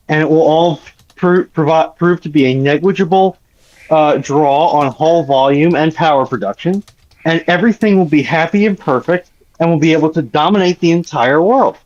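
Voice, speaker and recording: A man's voice: fairly high pitch, a little fast, a little mellow. A man bantering casually as a panelist on a live stream, with a sarcastic, dry sense of humour, on a slightly dull lo-fi microphone.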